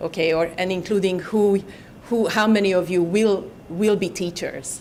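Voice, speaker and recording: A woman with a Hungarian accent talks at a moderate pace and medium pitch, with audible room echo. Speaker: education professor. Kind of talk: conference presentation. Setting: conference stage with audience.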